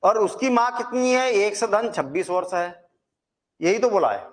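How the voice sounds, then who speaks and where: A man with a high voice explains a maths exercise step by step. He talks to his students in a chatty, reassuring way, and he keeps asking questions and then answering them himself. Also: expressive, a little slow. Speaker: maths teacher. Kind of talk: Hindi maths lesson.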